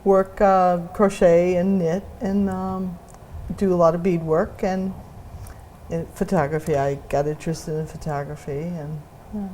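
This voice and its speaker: Mellow woman from upstate New York. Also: lowish voice, steady tone, a little slow, slight background noise, poor audio. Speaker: guest. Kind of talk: casual interview answers.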